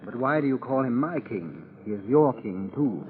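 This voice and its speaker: Confiding courtier voiced by a man, lively voice, distant lo-fi radio sound. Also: medium pitch, moderate pace, close to an everyday voice. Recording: distant, dull lo-fi radio recording.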